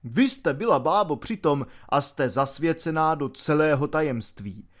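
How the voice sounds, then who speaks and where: Audiobook role: man playing a bossy, self-important sergeant, lively and loud when barking orders. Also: on the high side, natural voice. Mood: solemn. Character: pompous stern male gendarme sergeant.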